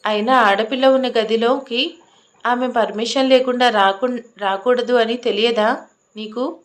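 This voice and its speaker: A woman's voice: a little high, fairly even intonation, a little slow, natural voice. Woman voicing defiant angry heroine. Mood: indignant, angry. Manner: indignant, argumentative.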